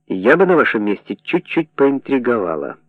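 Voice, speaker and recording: Мужчина-чтец озвучивает иностранную журналистку, говорит размеренно и искренне. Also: male voice, medium pitch, very animated, normal speed, dry recording. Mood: earnest. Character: foreign woman journalist, calm and earnest. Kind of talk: audiobook character reading. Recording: dry narrow phone-like sound.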